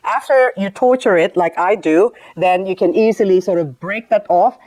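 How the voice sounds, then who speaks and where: A woman's voice: medium pitch, normal speed, darkish tone, poor audio. A middle-aged woman raised in the Philippines, chatting playfully while cleaning up succulents in a casual vlog. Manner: chatty, playful, self-mocking asides. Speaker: gardening vlogger. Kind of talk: casual chat while repotting plants.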